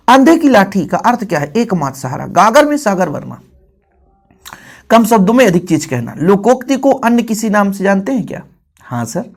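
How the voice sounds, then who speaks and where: A man teaching an exam-prep lesson, explaining terms, asking questions and repeating answers for his students. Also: high-pitched. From India. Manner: explains, quizzes and repeats, addressing students as children.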